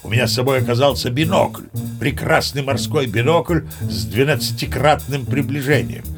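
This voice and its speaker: A man's voice: mid-range voice, moderate pace, over music, natural voice. An actor playing a seasoned, boastful old sea captain who tells his yarns in a chatty, emphatic, theatrical way. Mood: self-assured. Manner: chatty, folksy, self-assured, emphatic. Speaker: narrator. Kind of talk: theatrical first-person storytelling, audio play.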